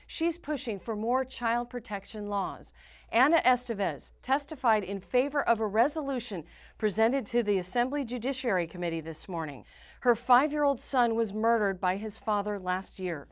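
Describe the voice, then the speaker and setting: A woman's voice: fairly high pitch, expressive, moderate pace. American woman reading the news. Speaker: news reporter and anchor. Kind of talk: scripted news narration.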